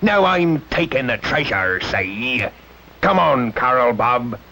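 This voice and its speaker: An actor playing a gruff, scheming pirate captain in a 1960s cartoon, with a growling pirate manner. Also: male voice, mid-range voice, expressive, slow pace, sharp tone, a little hiss or hum, heavily acted, rough recording. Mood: threatening. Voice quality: gravelly, growling. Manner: blustering pirate talk.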